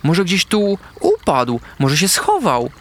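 A man's voice: high-pitched, huge pitch swings, slow, pitched above the performer's own voice, exaggerated voice. A man voicing a friendly, eager young male puppy with a cheerful, helpful way of talking.

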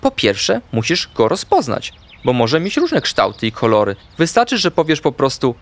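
A man voicing a wise, gentle female owl teacher in a children's storybook reading, talking calmly and patiently. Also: mid-range voice, normal speed. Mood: encouraging. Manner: calm, kind, explaining patiently.

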